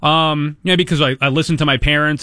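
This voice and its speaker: A man with an American accent, fairly high-pitched, talking very fast. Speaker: sports radio host. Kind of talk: sports talk radio call-in show. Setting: studio. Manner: casual, rambling.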